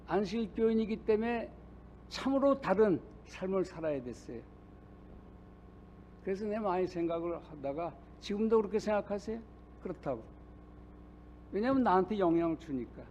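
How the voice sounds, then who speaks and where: An older male pastor preaching a sermon, telling a personal story in a halting way with many pauses. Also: sits high, mellow, a little hiss or hum. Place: church sanctuary.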